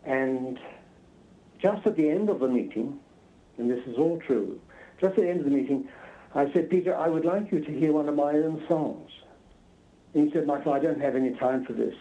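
A man's voice: a little high, moderate pace, pauses often. A man being interviewed as a guest, telling anecdotes conversationally in a hesitant, self-interrupting way. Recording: slightly dull, lo-fi sound.

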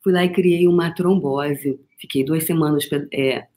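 A middle-aged Brazilian woman coaching a live audience with fervent emphasis. Her voice sits a little low for a woman and keeps calling the listener "my love". Her tone stays casual and outspoken, with a swear word here and there. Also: steady tone, unhurried, warm tone. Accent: Brazilian Portuguese. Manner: emphatic, calls listener "meu amor", mild swearing. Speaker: motivational coach. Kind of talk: live motivational talk.

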